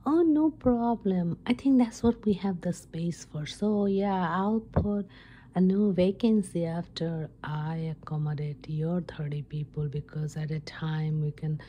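A woman playing an obliging receptionist at a wellness retreat in an ASMR role play, whispering haltingly. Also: on the low side, mellow. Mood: pleased, helpful. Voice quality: breathy whisper. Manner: halting, unhurried explaining.

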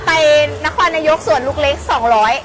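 A woman co-seller on a live sales stream, chatting casually and emphatically backing up the pitch. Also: lively intonation, moderate pace, rough recording. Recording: loud music over the voice. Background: loud music.

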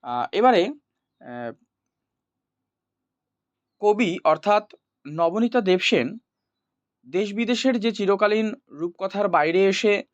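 A man teaching in an explanatory, didactic way, as if to school students, checking that they follow. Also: high-pitched. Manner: didactic, checks understanding with short questions. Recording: roomy echo, dull lo-fi sound.

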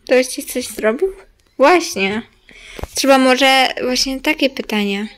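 A woman's voice: sits high, slow. A woman giving casual gameplay commentary, chatty and repetitive, talking straight to her viewers. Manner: chatty, repeats herself, talks straight to viewers. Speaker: gaming channel host.

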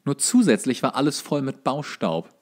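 A man's voice: medium pitch, very animated, moderate pace, a little mellow. A young man, co-hosting a podcast and telling anecdotes in a casual, chatty way. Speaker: podcast co-host.

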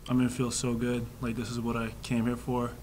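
A young male player talks into a table mic in a relaxed, casual way, sprinkling in "like" and "I mean". His pitch stays flat and steady. Faint hum behind him. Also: fairly quick. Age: 20s. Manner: casual, lots of "like", upbeat. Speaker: college basketball player. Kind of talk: post-game press conference. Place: press room before a sponsor backdrop. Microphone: table mic in front of him.

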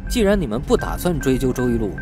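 A male narrator plays a brash young man who talks back to the police. His lines swing widely in pitch, defiant and sarcastic, over faint music. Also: big pitch swings, quick pace, close to an everyday voice. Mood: indignant. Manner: indignant, sarcastic, argumentative. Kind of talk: audiobook character acting.

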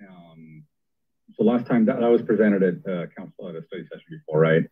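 Husky low-voiced man chairing a meeting. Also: brisk. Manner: conversational, thinks aloud with fillers. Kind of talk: meeting discussion. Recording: thin phone-like meeting audio.

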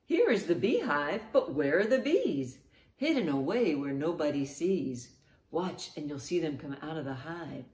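A middle-aged woman hosting storytime, reading to children in an expressive, deliberate way from a living room. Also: low voice. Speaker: library storytime host. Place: living room, indoors by a fireplace. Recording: roomy living-room echo.

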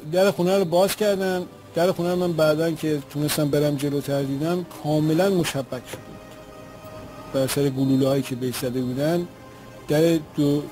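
A man's voice: fairly high pitch, warm tone, low-quality recording. A man giving spoken testimony as an eyewitness, retelling events in an earnest, vivid way.

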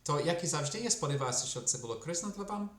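Teacher Ukrainian, echoey room. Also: male voice, fairly high pitch, lively intonation, a bit bright. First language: English. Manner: hesitant, many fillers, slows down to model English words. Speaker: English teacher. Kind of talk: short language lesson.

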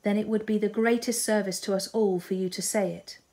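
A woman voicing a composed, sensible older sister who speaks calmly and with gentle firmness. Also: mid-range voice, brisk, natural voice. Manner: calm, restrained, gently firm. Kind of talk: audiobook character reading.

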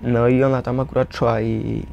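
A man's voice: mid-range voice, flat delivery, normal speed, creaky, darkish tone, muffled recording, a little hiss or hum. A teenage man recounting his experiences casually and colloquially, often tagging his phrases with a questioning word. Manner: colloquial, frequent question tags. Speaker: resident of youth correctional centre. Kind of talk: casual personal account.

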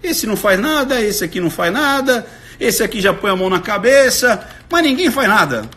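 A Brazilian man giving excited live commentary as a body language analyst, breaking into sudden shouts. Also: high-pitched, moderate pace. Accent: Brazilian Portuguese.

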